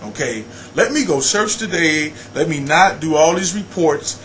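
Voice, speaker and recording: High-pitched, blunt American man. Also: measured pace, slight background noise. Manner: animated, blunt, repeats phrases for emphasis. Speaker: radio personality and program director, interview guest. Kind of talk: casual interview talk.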